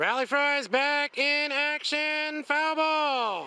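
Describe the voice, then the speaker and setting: A man's raised, projected voice carries ordinary pitch variation over noticeable background noise. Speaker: youtuber and baseball dad. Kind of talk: live sports commentary. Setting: outdoors at baseball tournament. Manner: upbeat, enthusiastic.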